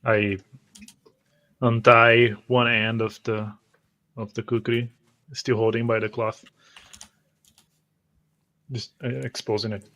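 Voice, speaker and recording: A man playing a tabletop roleplay game, describing his character's actions and speaking in character, halting and terse. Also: medium pitch, level tone, pushed and bright.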